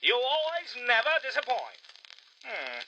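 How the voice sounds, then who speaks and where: A chirpy puppet-show shopkeeper, high in pitch and swooping wildly up and down. He is folksy, exaggerated and eager to please. Clicks and noise sit on the recording. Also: huge pitch swings, unhurried, sharp tone, highs cut off, full character voice. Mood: amused, folksy. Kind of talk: cartoon puppet-show character acting.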